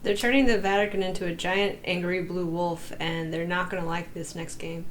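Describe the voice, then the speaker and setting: A woman's voice: lowish voice, steady tone, normal speed. A woman chiming in casually during a group discussion. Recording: noticeable background noise.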